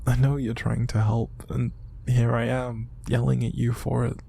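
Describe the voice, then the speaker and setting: A man acting an upset, exhausted young man in an intimate audio roleplay, speaking in a hushed, halting, breathy and gravelly voice. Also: mid-range voice, flat delivery. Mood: guilty, apologetic. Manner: halting, sighing, hushed, naturalistic delivery. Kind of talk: intimate audio roleplay monologue to an unseen listener.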